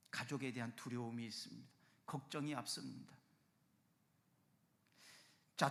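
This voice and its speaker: A man's voice: fairly high pitch, gravelly, a bit bright, long reverb tail. A man preaching a sermon as pastor, earnest, with rising and falling emphasis and rhetorical questions. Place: church sanctuary.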